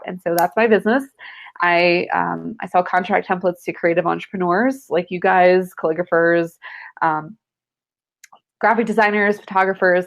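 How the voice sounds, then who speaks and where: A congested woman speaking as a guest attorney in a casual video chat interview, friendly and quick to laugh. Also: on the low side. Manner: friendly, laughs often, many ums. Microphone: video call. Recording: lo-fi video call audio.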